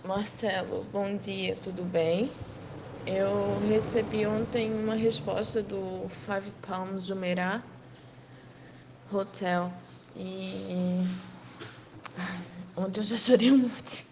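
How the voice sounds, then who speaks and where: A woman's voice: medium pitch, steady tone, takes it slowly, pauses often, noisy background. A woman from Santa Catarina with a southern Brazilian accent, leaving a rambling, tearful but happy voice message. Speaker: client sending a voice message. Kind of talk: WhatsApp voice message.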